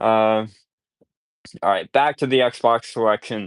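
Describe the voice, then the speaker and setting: A man talks at a fairly slow pace and fairly low pitch in a plain, everyday voice. The sound is dry and close with no echo, against a quiet background. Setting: live stream.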